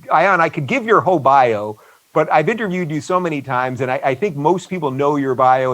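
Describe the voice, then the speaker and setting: A man hosts an online conference interview, speaking at an ordinary middle pitch. He talks earnestly and restarts his sentences often. He is heard over a video call. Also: rough recording. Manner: earnest, repeats words when starting sentences. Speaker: interview host. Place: remote video session.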